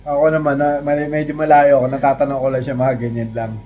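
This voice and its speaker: A man's voice: on the high side, monotone, quick pace, mellow, dull audio. A man from the Philippines, a vlogger, chatting casually and recounting a work story in an easygoing way. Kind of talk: casual chat.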